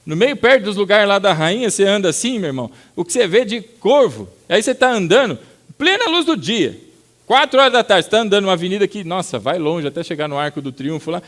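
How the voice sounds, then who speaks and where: Brazilian male pastor, sermon delivery, slightly high voice, animated storyteller who breaks into loud acted-out lines and keeps calling the congregation brother. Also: quick pace. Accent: Brazilian Portuguese. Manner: lively storytelling with sudden loud acted-out outbursts.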